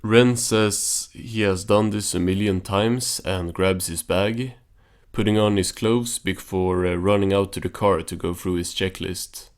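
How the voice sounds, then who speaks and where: A man's voice: sits low, steady tone, measured pace, clean tone. A man recapping a cartoon as host, in a casual, understated, offhand way.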